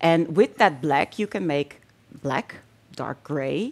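A woman with a Dutch accent speaks at a very deep, low pitch. Her pace is very slow, her intonation lively. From Netherlands. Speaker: nail artist and instructor; instructor. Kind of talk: live demonstration tutorial; tutorial. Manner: hesitant, many fillers. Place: studio. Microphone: headset.

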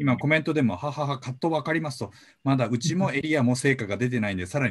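Very fast speech from a man at a medium pitch, with vocal fry. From moved around Japan, born in Osaka. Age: 40s. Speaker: panel moderator, tourism company executive; panel moderator. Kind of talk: online panel discussion. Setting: online event, screen sharing. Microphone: video call.

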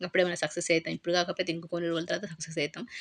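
A woman speaks with a fairly low pitch. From Telangana, village. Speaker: homemaker YouTube vlogger. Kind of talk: casual vlog talk.

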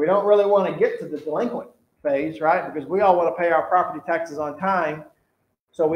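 A man talks at a fairly quick pace over light background noise, with audible room echo. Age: 50s. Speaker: chief appraiser; presenter. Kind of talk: public presentation. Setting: community center workshop with live audience. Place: classroom. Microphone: camera far.

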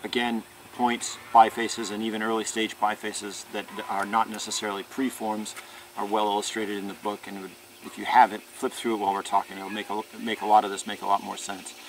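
A fairly low-pitched man at a fairly quick pace, monotone and flat, in a dry sound with no echo and light background noise. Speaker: presenter. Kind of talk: lecture. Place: garden.

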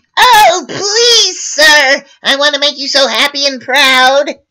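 A man uses a put-on character voice, raised and projected, at an extremely high pitch. He speaks at a fairly slow pace. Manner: stammering, pleading.

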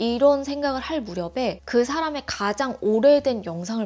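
Her tone is animated, with very wide pitch swings. The woman speaks at a fairly slow pace. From South Korea. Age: 30s. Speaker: beauty YouTuber. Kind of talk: casual vlog chat. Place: home room. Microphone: lapel.

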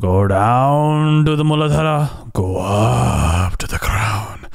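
A gruff, put-on character voice from a man, medium in pitch and very slow in pace. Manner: instructing, guiding a meditation.

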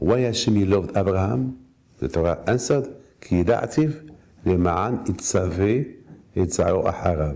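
Against a quiet background, a man with a fairly low, dark, mellow voice and vocal fry talks at a moderate pace with lively intonation. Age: 60s. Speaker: rabbi. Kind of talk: interview about faith. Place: office.

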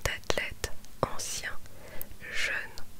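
A woman whispers, speaking at a very slow pace. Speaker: ASMR creator. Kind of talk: ASMR talk. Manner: whispered; soft-spoken.

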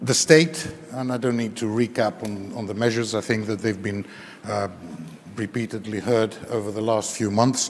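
A man talks at a moderate pace with fairly even intonation. Light background noise sits behind him. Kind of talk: panel talk. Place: stage. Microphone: lapel.

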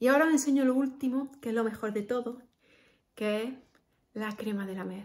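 A woman speaks at a fairly quick pace and a fairly high pitch, with ordinary pitch variation and big swings in loudness. Long, frequent pauses break up her speech against a quiet background. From Spain. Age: middle-aged. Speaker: beauty youtuber; beauty vlogger. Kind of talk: product review vlog. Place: home room. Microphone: phone near.

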